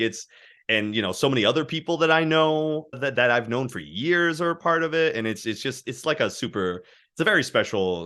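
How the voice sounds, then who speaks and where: Bright-voiced man telling voice acting stories. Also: mid-range voice. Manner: animated, anecdotal storytelling. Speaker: voice actor guest. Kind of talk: casual interview chat.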